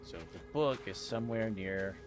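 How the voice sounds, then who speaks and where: A man with a fairly low voice commentates casually on a game as he plays, muttering dry asides to himself and reading bits aloud. Music plays clearly behind him. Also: normal speed. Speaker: game streamer.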